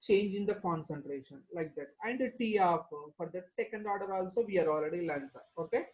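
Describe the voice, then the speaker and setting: A woman's voice: on the low side, a little fast, darkish tone, poor audio. A woman with a South Asian accent teaching a lesson, going through formulas step by step and prompting students with questions. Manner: addresses students with prompting questions and tag words. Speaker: chemistry teacher.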